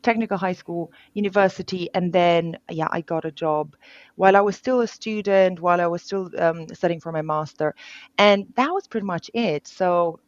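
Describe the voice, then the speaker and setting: A woman's voice: fairly low pitch, moderate pace, no echo. A woman in her thirties from Romania with a Romanian accent, an interview guest talking earnestly with frequent ums. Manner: earnest, many ums and restarts. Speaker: guest, sales engineer. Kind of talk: casual interview. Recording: dry, muffled.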